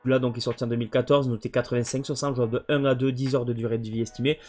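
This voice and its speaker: A man's voice: medium pitch, flat delivery, rapid-fire, a little mellow, faint music behind. A man casually presenting his video game collection, hesitant and full of fillers. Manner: hesitant, many fillers and restarts.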